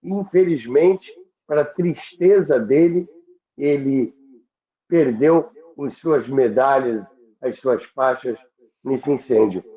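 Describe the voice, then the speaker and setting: An older man tells radio history conversationally, in a halting, reflective, deliberate way. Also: medium pitch. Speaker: radio history presenter, former radio worker. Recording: roomy, echoing phone-like narrow sound.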